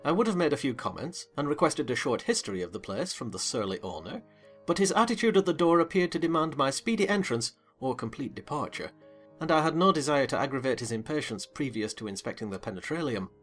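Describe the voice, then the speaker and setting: Male audiobook narrator, mid-pitched voice, measured and expressive, faint music behind. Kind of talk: dramatized reading of classic fiction.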